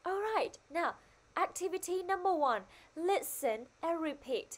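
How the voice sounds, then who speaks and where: A woman's voice: very high-pitched, animated, slow pace. A woman teaching a primary-school English lesson online, upbeat and coaxing. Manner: upbeat, coaxing, switches between two languages.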